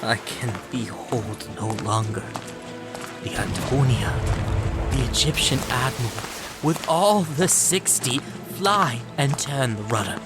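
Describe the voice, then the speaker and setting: An actor playing a dismayed, weary Roman officer in a Shakespearean audio drama, speaking in a declamatory, deliberate way. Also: male voice, medium pitch, lively intonation. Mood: horrified. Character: dismayed, weary male Roman officer, loyal against reason. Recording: loud background music.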